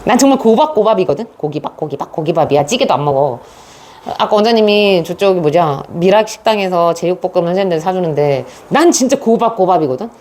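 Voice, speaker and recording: A woman's voice: on the low side, expressive, quick pace, a little mellow. A woman teaching an English reading lesson in a chatty, storytelling way, with asides to her students. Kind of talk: casual classroom lecture.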